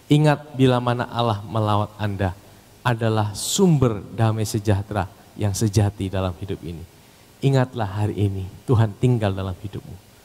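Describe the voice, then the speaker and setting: A pastor preaching a sermon. He rises to loud, emphatic calls and drops to soft, low asides. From Indonesia. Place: church hall. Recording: long hall reverb.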